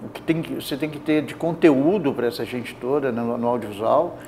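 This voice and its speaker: A man's voice: medium pitch, brisk, a little mellow, slight background noise. An older man, an actor, talking as a guest in a TV studio interview, rambling and restarting his sentences as he thinks, on a lapel mic. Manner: rambling, restarts mid-thought. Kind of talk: casual studio interview chat. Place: bright indoor TV studio, seated.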